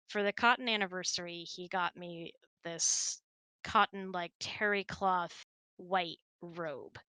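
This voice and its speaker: A woman's voice: medium pitch, bright, forceful tone, dry recording. A woman hosting, chatting casually and telling personal stories in a conversational way. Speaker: host.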